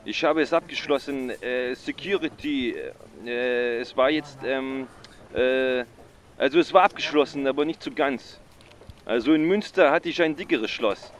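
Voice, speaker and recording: A man's voice: medium pitch, unhurried, lightly acted. An actor playing a clueless male caller reporting a stolen bike, hesitant and full of filler sounds. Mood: rambling.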